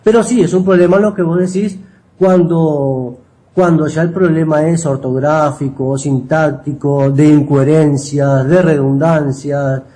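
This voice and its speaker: Higher-pitched Rioplatense man, mellow delivery. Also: steady tone, measured pace. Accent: Rioplatense Spanish. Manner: explanatory, often checking with tag questions. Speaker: interview guest, writer and copy editor. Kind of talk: conversational interview answers.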